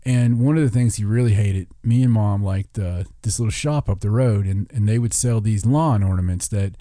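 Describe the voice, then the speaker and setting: Mellow, low-voiced man joking around. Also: normal speed, dry recording, studio quality. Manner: irreverent, rambling storyteller. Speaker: podcast co-host. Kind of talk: casual, joking banter and anecdotes.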